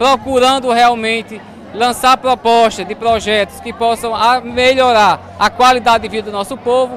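Over crowd noise in the background, a man with an extremely high pitch speaks in a flat monotone at a moderate pace, the sound dry with no echo. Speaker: local councillor. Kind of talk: interview answer. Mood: earnest campaign tone. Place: hall. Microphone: handheld.

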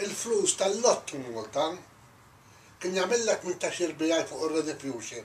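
A man with a high pitch and lively intonation, light background noise behind him. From Malta, Valletta; Malta. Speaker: interviewee recalling childhood. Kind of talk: storytelling. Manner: halting. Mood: calm, reflective. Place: home room.

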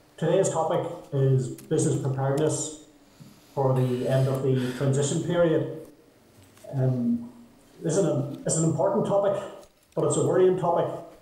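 A man speaks at a moderate pace with ordinary pitch variation and very even loudness. Long, frequent pauses and audible room echo mark the clip. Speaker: witness. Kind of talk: formal briefing to committee. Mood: hesitant, apologetic at start. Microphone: video call.

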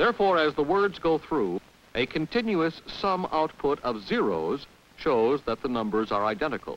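A man with a fairly high pitch talks at a moderate pace with very wide pitch swings, very even loudness, and a dry sound with no echo. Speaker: film narrator. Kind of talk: vintage military training film narration. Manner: formal, measured, even-paced instructional delivery; dry, impersonal, authoritative tone. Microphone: old recording.

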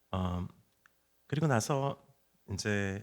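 The recording is very clean with total silence behind a man whose voice sits fairly low and varies in pitch in an ordinary way. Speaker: earth science professor. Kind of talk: lecture. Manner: hesitant with frequent fillers.

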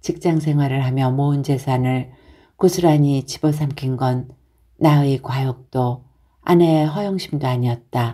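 On a very clean recording with a silent background, a woman with a very deep, low pitch speaks very slowly in a soothing, calm tone that is dark and mellow, with ordinary pitch variation. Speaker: audiobook narrator. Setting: home recording with quiet background music. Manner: soothing, slow, calm, gentle and hushed, ASMR-like.

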